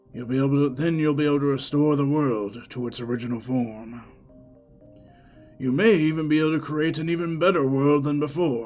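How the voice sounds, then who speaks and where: With faint music in the background, a man puts on a character voice in a fairly high pitch and talks at a fairly quick pace. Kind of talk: video game dub acting. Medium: game stream. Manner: grave, sage-like.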